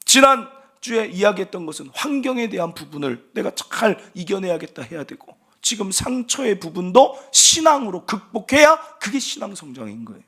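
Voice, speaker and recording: A male pastor preaching a sermon, telling stories with acted quotes and moving between loud emphasis and hushed asides. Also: high-pitched, sing-song, moderate pace, breathy edge. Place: church sanctuary.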